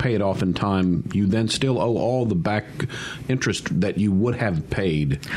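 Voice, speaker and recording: Over noticeable background noise, a man speaks at a moderate pace in a fairly low pitch with ordinary pitch variation. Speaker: radio host. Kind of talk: radio call-in show. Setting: studio.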